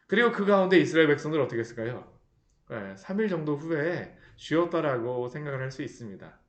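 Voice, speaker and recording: A man preaching a sermon as pastor, animated and asking the listeners rhetorical question after rhetorical question. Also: a little high, reverberant. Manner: animated, acts out the people he describes. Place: church sanctuary.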